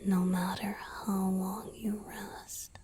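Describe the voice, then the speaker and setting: A woman voicing a tender, devoted young male vampire boyfriend in a soft, breathy whisper for a romantic ASMR roleplay. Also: medium pitch, level tone, noisy background, lightly acted. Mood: adoring, dreamy. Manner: slow, gentle, devoted, lingering pauses.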